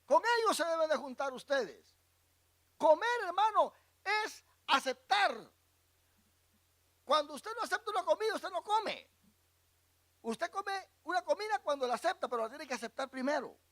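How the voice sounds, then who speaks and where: Teaching a Bible class, a pastor reads and explains verses out loud, then poses questions for the congregation to answer by filling in words. He has a very high-pitched, expressive, somewhat bright voice, speaking at a normal speed with frequent pauses.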